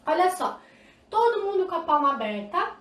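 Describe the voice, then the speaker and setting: A woman from Brazil teaching a live online sign language class, lively and demonstrative. Her voice is high. It is picked up a little off-mic in an echoey room. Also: normal speed, recorded from a distance. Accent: Brazilian Portuguese. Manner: lively, demonstrative, talks to viewers directly. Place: indoor room, live stream.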